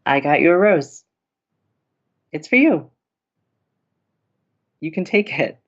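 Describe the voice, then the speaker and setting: An actor playing an earnest, smitten young man who co-hosts college radio, speaking in a halting, tender, teasing way in an audio romantic comedy. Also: a little high, expressive, lo-fi sound, full character voice. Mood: nervous, tender. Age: young adult.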